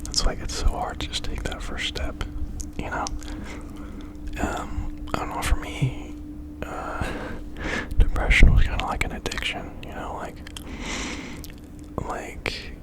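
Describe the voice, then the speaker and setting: This is an ASMR creator who speaks entirely in a breathy whisper, close to the mic. The delivery is an informal, confiding ramble that starts and stops and keeps checking in with the listener. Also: poor audio. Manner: informal, halting, confiding, with frequent tag questions.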